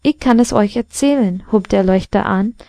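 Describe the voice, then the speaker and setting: A woman's voice: mid-range voice, normal speed, vocal fry, warm tone, no room sound, natural voice. A woman voicing a vain old brass candlestick telling a tale in a storybook reading. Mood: proud. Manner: self-important storyteller.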